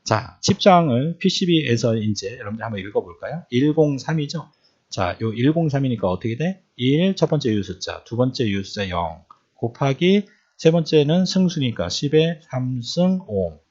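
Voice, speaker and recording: A man's voice: medium pitch, sing-song, normal speed, a little mellow, breathy edge. A man teaching electronics in a lecture style, often repeating points and quizzing the listeners with questions. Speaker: electronics instructor. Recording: dull lo-fi recording.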